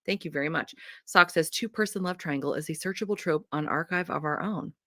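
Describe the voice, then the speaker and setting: A woman's voice: low-pitched, a little fast, no room sound, clean studio sound. A woman hosting a romance book show, chatting casually and bubbly between segments. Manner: bubbly and animated. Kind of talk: casual chat on a reading livestream.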